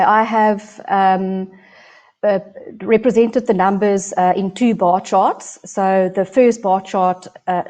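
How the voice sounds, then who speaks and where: A middle-aged South African woman presenting company financial results in a measured, businesslike way. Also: medium pitch, darkish tone. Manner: measured, businesslike, some fillers. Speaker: chief financial officer.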